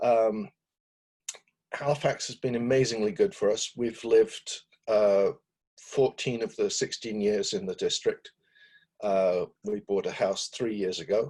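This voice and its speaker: A man with a slight English accent, at a fairly slow pace with long, frequent pauses. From England. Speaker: municipal election candidate. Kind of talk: campaign speech. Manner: halting, many fillers.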